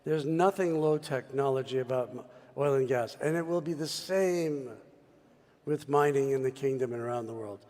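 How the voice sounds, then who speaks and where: A man's voice: mid-range voice, normal speed, darkish tone. A man from the United States speaking on a panel, expansive and emphatic, as if giving a speech. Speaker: mining executive panelist. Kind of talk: panel discussion. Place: large conference hall. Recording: long reverb of a conference hall.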